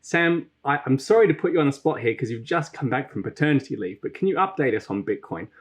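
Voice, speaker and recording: A man with a mid-pitched voice works as a show host. He speaks in an orderly, presenter-like way, setting up questions for his guests. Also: animated, fast, husky.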